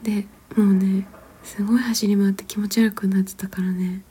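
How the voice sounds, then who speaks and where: A mother in her thirties whispering a long, rambling story, gentle and full of small fillers and soft laughs. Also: mid-range voice, level tone, moderate pace, slightly rough.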